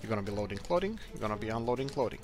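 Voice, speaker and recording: A man's voice: lowish voice, lively intonation, rapid-fire, a little mellow, faint music behind. A man from Croatia, hosting a let's play and chatting casually while he plays, thinking aloud in an upbeat, rambling way. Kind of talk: casual gameplay commentary.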